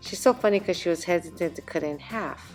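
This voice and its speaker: With music in the background, a woman talks at a moderate pace with ordinary pitch variation. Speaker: cooking vlogger. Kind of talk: casual talk to camera.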